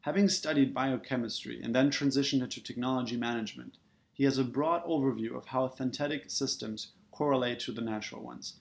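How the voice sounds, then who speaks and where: Gravelly man reading a show introduction. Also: mid-range voice, brisk. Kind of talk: scripted introduction.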